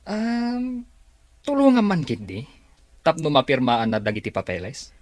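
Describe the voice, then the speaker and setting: A man's voice: a little high, sing-song, measured pace, no room sound. A man with a Filipino Ilocano accent acting an impatient, scheming office colleague in an audio drama.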